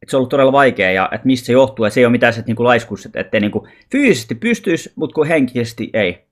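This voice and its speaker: A man's voice: mid-range voice, very animated. A man telling a personal story in a loose, rambling vlog monologue, informal and often swearing. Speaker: vlogger.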